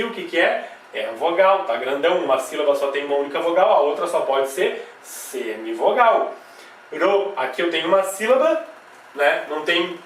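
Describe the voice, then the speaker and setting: A Brazilian man with a Brazilian Portuguese accent teaching a grammar lesson at a whiteboard, repeating words slowly to point out their sounds and checking in with "tá?" and "né?". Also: high voice, a bit bright, a little hiss or hum. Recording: echoey room, voice from a distance.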